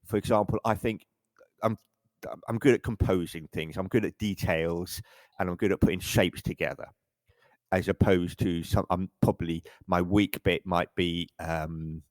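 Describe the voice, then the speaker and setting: A middle-aged English man with a very low voice, chatting casually as an interview guest. He rambles and often restarts his sentences. The sound is close and dry. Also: steady tone, moderate pace, no echo. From England. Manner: rambling, self-correcting, frequent stammered restarts. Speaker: photographer guest.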